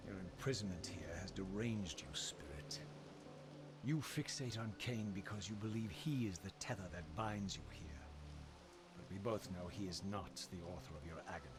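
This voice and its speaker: An actor playing an eloquent, bitterly accusing undead wraith in a video game, with formal, theatrical, deliberate diction. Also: male voice, sits low, noisy background, close to an everyday voice. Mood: coldly argumentative. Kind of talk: dramatic video game narration and dialogue. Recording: music behind the voice.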